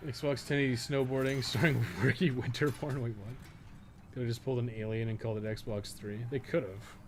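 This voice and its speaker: A male streamer talks casually while he plays, in an average-pitched voice. He rambles bluntly and swears freely, with faint noise behind him. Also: steady tone, normal speed. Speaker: game streamer and podcast host. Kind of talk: casual live game stream chat.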